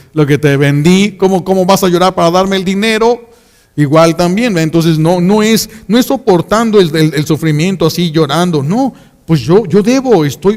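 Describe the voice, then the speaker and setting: A man's voice: high-pitched, big-room sound. A Catholic priest preaching a sermon, pleading with his listeners, repeating himself and asking rhetorical questions.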